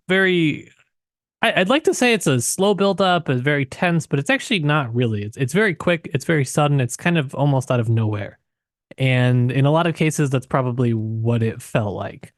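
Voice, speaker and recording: A man's voice: mid-range voice, dry recording, studio quality. A man co-hosting a casual literary discussion, conversational and tentative as he thinks aloud. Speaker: podcast co-host.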